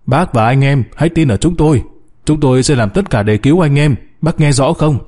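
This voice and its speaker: A man's voice: on the high side, brisk, mellow, close to an everyday voice. A man voicing a male rescue leader calling down a pipe and reassuring trapped miners. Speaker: rescue commander.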